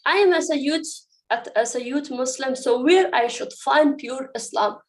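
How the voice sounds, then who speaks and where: Female student questioner, twenties, from Afghanistan; high voice, earnest and searching, unscripted. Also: normal speed. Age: 20s. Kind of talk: spontaneous spoken question.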